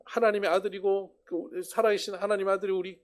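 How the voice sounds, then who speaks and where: A man voicing a blunt, gruff middle-aged male apostle who talks in a brusque, scolding way and then confesses. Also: high-pitched, little pitch movement, quick pace, voice pushed up, lightly acted. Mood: reminiscing.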